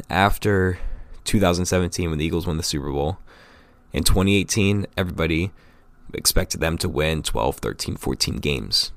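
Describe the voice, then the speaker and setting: Deep, gravelly man with a cold. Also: no room sound. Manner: casual, rambling, filler-heavy fan opinions. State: getting over a cold, slightly raspy. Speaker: podcast host. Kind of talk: solo sports podcast talk.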